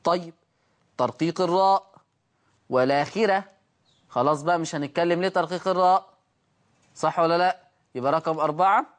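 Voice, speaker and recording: A man teaching Quran recitation rules on a TV program. He asks rhetorical questions, answers them, and chants the example words slowly. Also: sits high. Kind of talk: televised recitation lesson.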